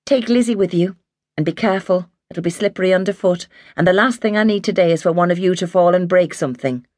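A woman reading the part of a tired, caring young working-class mother who speaks gently but firmly to her children. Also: on the low side, fast, no echo, studio quality, pitched above the performer's own voice, close to an everyday voice. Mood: firm, motherly.

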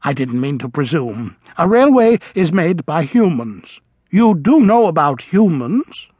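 A man's voice: a little high, sing-song, measured pace, a little mellow, breathy edge, dry recording, highs cut off, voice pushed up, full character voice. Man doing a fussy, flustered old vole. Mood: apologetic. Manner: flustered, polite, old-fashioned phrasing. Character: elderly nearsighted male vole, fussy and apologetic. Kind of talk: audiobook character voice.

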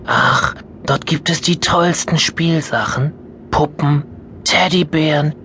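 A man's voice: a little high, fairly even intonation, slow pace, a little hiss or hum, pitched above the performer's own voice. A man reading a storybook, voicing a kind, affectionate older grandmother. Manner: warm, affectionate, sometimes hushed. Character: kind loving old grandmother. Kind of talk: audiobook character voice.

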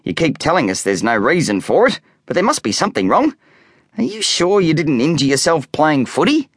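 A reader doing a sleepy, patient dad. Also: male voice, fairly high pitch, big pitch swings, a little fast, no echo, studio quality, voice pushed up. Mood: sleepy concerned. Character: sleepy, patient father of a teenage boy.

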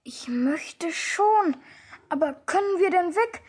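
A woman's voice: very high-pitched, expressive, takes it slowly, exaggerated voice. A woman voicing a curious six-year-old boy in a radio drama who asks earnest, wondering questions. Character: little boy, about six, curious and eager.

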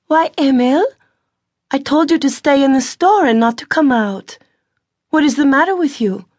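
A woman voicing an earnest, capable young farm woman who speaks firmly, a little higher than her narrating voice. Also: expressive, normal speed, a little mellow, no echo, clean studio sound. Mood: exasperated. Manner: firm, earnest, slightly raised voice.

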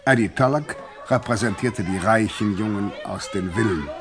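An actor playing a gentleman author who looks back on his combative life, reflective and composed, in a radio play. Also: on the low side, moderate pace, a crowd in the background, lightly acted. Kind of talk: autobiographical narration in a radio play.

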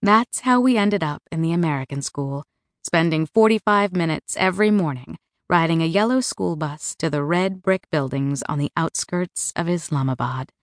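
A woman narrates a first-person novel in a measured, even way, her voice sitting a little low. She is recorded close on the mic in a dead, dry booth with no room sound at all. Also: no room sound. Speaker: audiobook narrator. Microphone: close studio mic.

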